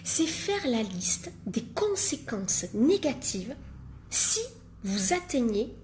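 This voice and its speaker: Emphatic woman life coach, fairly high voice. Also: sing-song, takes it slowly, noisy background. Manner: emphatic, repeats words for stress, jokes at herself. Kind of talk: live-streamed coaching talk.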